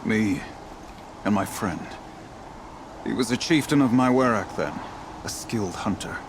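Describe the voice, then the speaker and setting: An actor playing a weary, proud old tribal hunter in a video game, speaking in a solemn, measured, poetic way. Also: male voice, fairly low pitch, background noise. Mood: grave, proud. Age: older. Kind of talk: dramatic video game dialogue.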